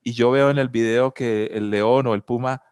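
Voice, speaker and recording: A man's voice: medium pitch, fairly even intonation, normal speed, darkish tone, clear, resonant tone, no room sound, studio quality. A man with a Colombian accent giving a reflective talk on family and spirituality, asking many rhetorical questions and telling personal anecdotes.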